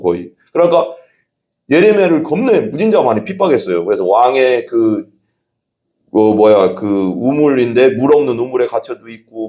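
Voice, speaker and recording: Korean pastor preaching with lively swings. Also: male voice, medium pitch. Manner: conversational preaching with rhetorical questions and sudden exclamations. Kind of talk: sermon.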